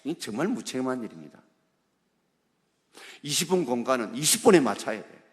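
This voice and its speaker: A man's voice: mid-range voice, big pitch swings, fairly quick. A male pastor preaching a sermon, driving his points home with rhetorical questions to the congregation. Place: church sanctuary. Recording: long hall reverb.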